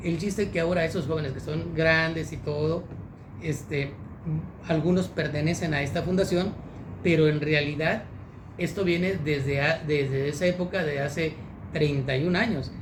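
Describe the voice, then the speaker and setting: This man talks at a moderate pace with a fairly high pitch and fairly even intonation. Audible room echo surrounds the voice. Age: 60s. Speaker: teacher and foundation founder. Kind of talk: interview. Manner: hesitant, many fillers.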